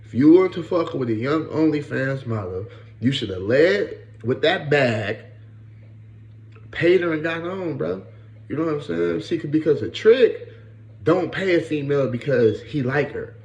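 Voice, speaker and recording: A man's voice: fairly high pitch, lively intonation, a little slow, a little mellow, roomy sound, a little hiss or hum. A man in his late thirties giving blunt, profane casual commentary and often repeating "bro" and "you know what I'm saying.". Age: 30s. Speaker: podcast host.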